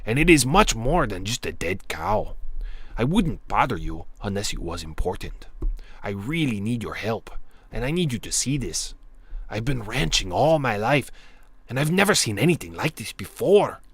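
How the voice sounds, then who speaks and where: A man's voice: very animated, moderate pace, breathy edge, dry recording, full character voice. A man voicing a worried middle-aged male rancher phoning the police, with an exaggerated Mexican accent and an urgent, pleading manner. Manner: pleading, urgent, loud and high.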